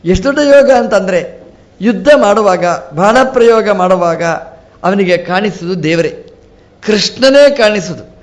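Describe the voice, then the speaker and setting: A man, a swamiji, giving a storytelling religious discourse with lively rises and drops and acted-out dialogue. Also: high voice, moderate pace. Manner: animated, rising and falling sharply, quoting characters in dialogue. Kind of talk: storytelling sermon.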